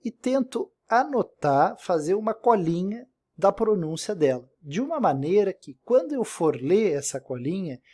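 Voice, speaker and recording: A man's voice: high-pitched, big pitch swings, normal speed, dark tone. A man teaching an English lesson while showing a dictionary on screen. He explains patiently and keeps checking in with his listener. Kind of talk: recorded screen-share lesson.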